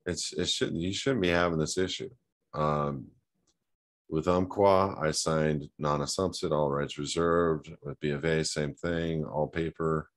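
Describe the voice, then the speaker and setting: A man's voice: a bass voice, steady tone, a little slow. A man hosting a show, reading out a viewer's question and then answering it in loose, casual talk with many fillers.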